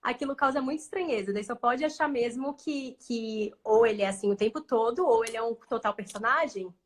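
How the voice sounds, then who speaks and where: A woman's voice: on the high side, a little fast. A woman, a guest in a casual live-stream conversation, speaking thoughtfully and often restarting her phrases.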